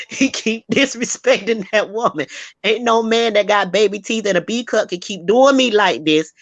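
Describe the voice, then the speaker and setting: Sassy, animated woman hosting a gossip show. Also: medium pitch, a little slow, no echo. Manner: animated, sassy, emphatic, laughs often. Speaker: host. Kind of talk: casual gossip chat.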